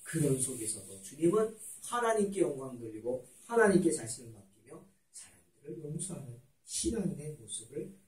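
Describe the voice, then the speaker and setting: A male pastor delivers an animated sermon, moving between loud emphasis and soft asides. His voice is high and very lively in pitch. He is picked up from a distance in an echoey church hall. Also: normal speed. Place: church sanctuary.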